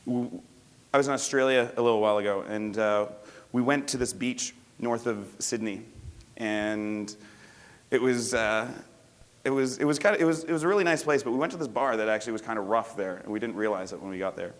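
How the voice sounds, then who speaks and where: Male coach, mid pitch, loose self-correcting delivery, long hall reverb. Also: brisk. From Canada. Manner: rambling, self-correcting, casual. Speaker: dating coach. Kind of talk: teaching with a personal anecdote.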